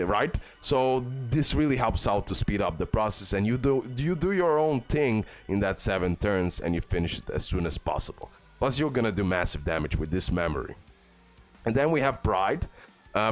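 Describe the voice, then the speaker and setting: A man giving casual game guide commentary, enthusiastic and full of fillers. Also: medium pitch. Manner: enthusiastic, repeats "guys" and "okay", filler-heavy. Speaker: gaming YouTuber. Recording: faint background music.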